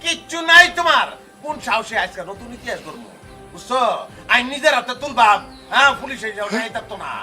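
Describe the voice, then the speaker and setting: A man playing a fiery young son, high and bright. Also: animated, fast, faint music behind, full character voice. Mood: indignant. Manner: impassioned, pleading then threatening. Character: hot-headed loyal young son defending his mother. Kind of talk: folk stage drama.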